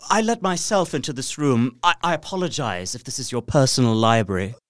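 A man's voice: mid-range voice, animated, a little fast, no room sound, studio quality, natural voice. An actor playing a polite, observant and uneasy young solicitor, narrating his journal earnestly and precisely in a gothic audio drama. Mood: polite, businesslike. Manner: precise, earnest, theatrical storytelling.

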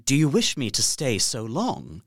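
An actor playing a proper, apprehensive young Victorian gentleman narrating his journal in an audio drama, measured and formal. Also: mid-range voice, wildly swooping pitch, vocal fry, no echo, studio quality, exaggerated voice. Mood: grave, uneasy.

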